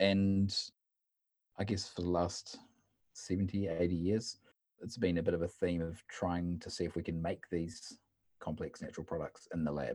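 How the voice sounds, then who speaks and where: A man's very deep, low, dark and mellow voice in a New Zealand accent, with fairly even intonation, a moderate pace and long, frequent pauses. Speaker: organic chemist, university lecturer. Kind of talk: interview.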